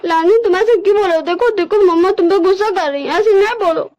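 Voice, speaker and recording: Woman voicing a high, tearful pleading young husband. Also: fast, darkish tone. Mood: begging. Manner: tearful, begging, repeating himself. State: crying. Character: young man, heartbroken pleading omega husband.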